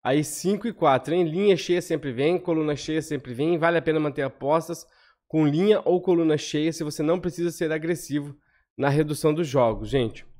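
Brazilian man talking fast through lottery stats. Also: on the high side, darkish tone. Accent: Brazilian Portuguese. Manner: quick, conversational, frequent "tá?" tag questions. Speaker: lottery analysis host. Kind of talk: casual spreadsheet walkthrough. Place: home room, on webcam over screen share.

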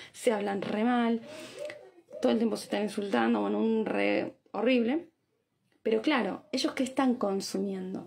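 A woman in her thirties from Argentina with an Argentine accent, giving a chatty, animated live talk to viewers about diet and habits, often checking in with tag questions. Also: fairly high pitch, gravelly, slight background noise. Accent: Argentine Spanish. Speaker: Ayurveda doctor. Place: small bright room indoors. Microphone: phone camera at arm's length.

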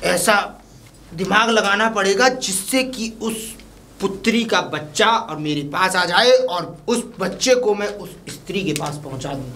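A man's voice: sits high, unhurried, bright, forceful tone, a little hiss or hum. A man acting a scheming fake holy man who steals a child in a village crime drama, with a sly, sing-song chanting manner. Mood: plotting. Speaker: fake baba. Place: outdoors in a village.

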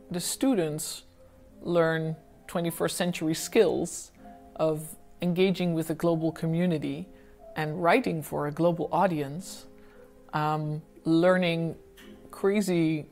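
A woman's voice: low-pitched, unhurried, a little mellow, faint music behind. A woman answering enthusiastically in an interview in a library room.

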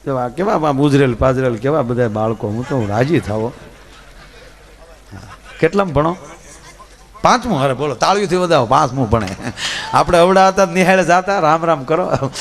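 A man tells village stories on stage. His voice sits high and leaps up and down with animated expression. He moves between loud narration and quiet asides. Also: moderate pace, long pauses. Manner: lively, swings between loud and soft asides. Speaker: folk storyteller and comedian. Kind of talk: live folk storytelling on stage.

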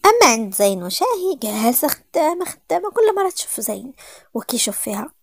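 A woman with a Moroccan accent narrating a romance story in a rapid, lively reading. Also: sits high, no room sound.

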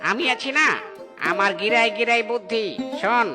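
চালাক বানর বন্ধু. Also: male voice, extremely high pitch, normal speed, over music. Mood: teasing. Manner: breezy, mixes English slang. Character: clever male monkey friend, cocky and playful. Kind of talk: cartoon voice acting.

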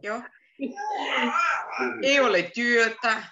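A woman teaching a beginner online language class, speaking slowly, repeating words and adding English glosses. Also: a little high, dull audio, noisy background. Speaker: Finnish teacher.

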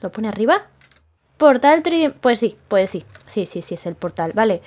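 A roleplay channel host plays a jumpy young woman, easily frightened and fussy, in an improvised game roleplay, stammering and repeating words whenever she's startled. Her mood is jittery and flustered. Her voice is on the high side, very animated, darkish in tone and at a moderate pace.

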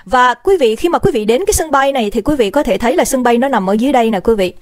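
Bubbly high-voiced livestream hostess. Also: female voice, expressive, very fast, no echo. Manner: bubbly, greets viewers by name, drops English phrases. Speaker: livestream host. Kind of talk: casual livestream chat. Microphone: desk microphone.

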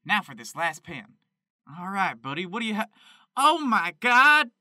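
A man playing an excitable young chicken farmer who talks in a folksy, exclamatory way in an amateur audio drama. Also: sits high, moderate pace, very noisy. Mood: amazed. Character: excitable young male Kentucky chicken farmer, devoted to animals.

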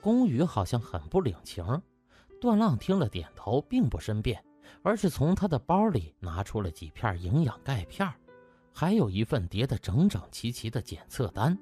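A man's voice: medium pitch, wildly swooping pitch, moderate pace, mellow, breathy edge. A man reading dramatic scripted narration as an audiobook narrator. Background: faint music.

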